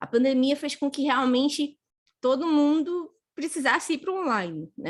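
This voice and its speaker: A woman's lively intonation comes through over a quiet background. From Brazil, Pernambuco. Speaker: career consultant. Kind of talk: live webinar talk. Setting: live stream. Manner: animated.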